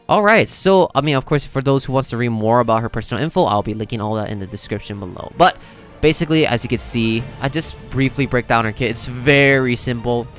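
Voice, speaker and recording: A man hosts a casual gaming reaction video in a mid-pitched voice. He explains things conversationally, dropping in small filler asides as he goes. Music plays behind him. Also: a bit bright. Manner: conversational, explanatory, frequent "you know" asides. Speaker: video host reacting to game character preview. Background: background music.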